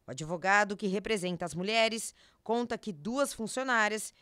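A woman reporter reading a scripted TV news report in a measured, solemn tone. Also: medium pitch, fairly bright tone, no room sound.

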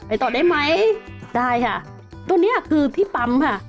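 A woman's voice: sits high, sing-song, normal speed, faint music behind. A young woman host chatting through her gameplay, exclaiming often and calling herself by name. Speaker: gaming channel host. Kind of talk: Minecraft gameplay commentary.

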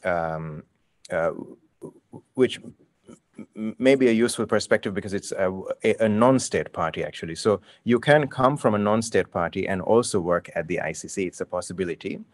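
A man in his forties from Sri Lanka speaks on a webinar panel through a webcam. His voice sits low, and he hesitates often with fillers and restarts. The sound is dry and close. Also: normal speed, dry recording. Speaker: prosecutor. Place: bright office room, indoors. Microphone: video call webcam.

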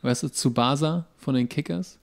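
A man co-hosting a podcast, making dry, deadpan quips in casual chat. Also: mid-range voice, normal speed, vocal fry. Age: 40s. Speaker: podcast co-host.

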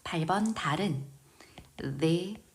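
A woman who speaks Korean natively, teaching English vocabulary in a slow, careful lesson and patiently drilling pronunciation word by word. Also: lowish voice. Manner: patient, precise pronunciation drills with repeated words.

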